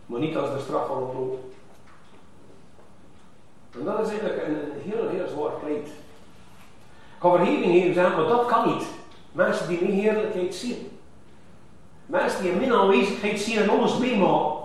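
A man preaching a sermon, emphatic, with rising exclamations. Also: high voice. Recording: echoey church hall from far off.

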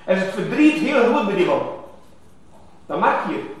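A man delivers a sermon, high-voiced and emphatic. His pitch swings widely as he presses his points. He sounds distant in a very echoey hall. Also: unhurried. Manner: animated, emphatic preaching with rising exclamations. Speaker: preacher. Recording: echoey church hall from far off.

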